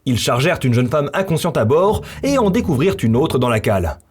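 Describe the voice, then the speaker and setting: A man's voice: mid-range voice, very animated, brisk. A man delivering scripted narration for a science-fiction visual novel. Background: music.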